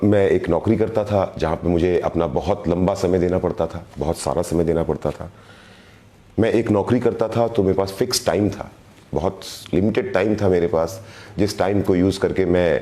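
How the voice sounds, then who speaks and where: A middle-aged man with a sore, hoarse throat giving an earnest motivational live video address as a direct selling team leader, repeating phrases for emphasis. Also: low-pitched, normal speed, warm tone.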